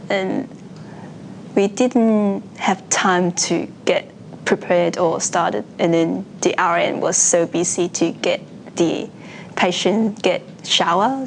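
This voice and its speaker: Young woman, slow, keeps restarting, um um, faint background hum. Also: medium pitch, vocal fry. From Hong Kong. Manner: hesitant, with restarts and fillers. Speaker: nursing student. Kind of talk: personal account for a university video.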